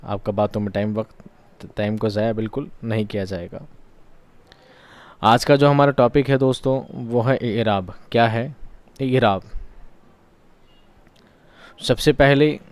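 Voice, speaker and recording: Male online teacher, smooth voice in a dry close recording. Quizzes himself and repeats key words. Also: on the low side, unhurried, pauses often, dry recording. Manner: asks questions and answers them himself. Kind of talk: exam-prep lesson.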